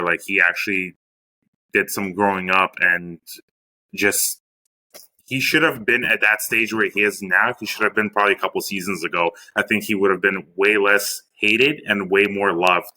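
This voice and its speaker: A man with a deep but strikingly sharp, forceful voice gives casual sports opinions as a co-host. His delivery is plain-spoken and flat in pitch. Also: poor audio. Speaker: podcast co-host.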